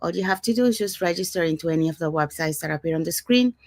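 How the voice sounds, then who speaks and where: A woman's voice: lowish voice, quick pace, darkish tone, no echo. Upbeat woman host from Panama, dry sound. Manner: upbeat, promotional, with frequent fillers. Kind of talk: scripted webinar promo chat.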